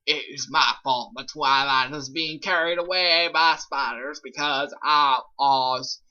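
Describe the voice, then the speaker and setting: Hammy theatrical fanfic reader, slow pace, bright forceful voice, hams it up like a stage actor. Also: medium pitch, highs cut off. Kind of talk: dramatic reading of fan fiction with joking commentary.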